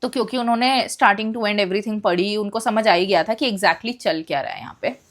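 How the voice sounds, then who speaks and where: A woman's voice: medium pitch, moderate pace. A young woman telling a personal story in a casual, emotional monologue, mixing English phrases into her speech. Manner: emotional, expressive retelling.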